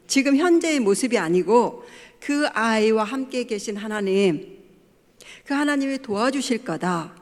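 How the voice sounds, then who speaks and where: Middle-aged woman speaking in a reverberant church. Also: fairly high pitch. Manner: storytelling, acting out family quotes. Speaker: pastor's wife giving a family talk. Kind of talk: church lecture with personal stories. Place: church sanctuary. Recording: long church hall reverb.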